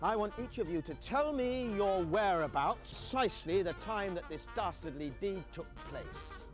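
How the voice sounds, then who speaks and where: A man's voice: high voice, expressive, a little slow, faint music behind. An actor playing a stern male detective who accuses a room of suspects, in a theatrical manner. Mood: accusing. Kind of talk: English-language mystery clip.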